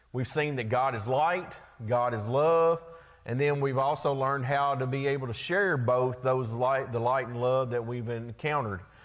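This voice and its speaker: Over a quiet background, a man with an American accent speaks with ordinary pitch variation. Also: moderate pace. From Kentucky. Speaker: Bible class teacher. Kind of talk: Bible class lecture.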